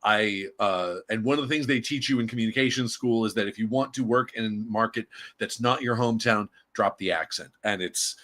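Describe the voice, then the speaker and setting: Bright-voiced man rambling on a podcast. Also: fairly low pitch, brisk, hardly any pauses. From Boston area. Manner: rambling, self-interrupting, jokey. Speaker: podcast co-host. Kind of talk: casual wrestling podcast chat. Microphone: remote streaming call.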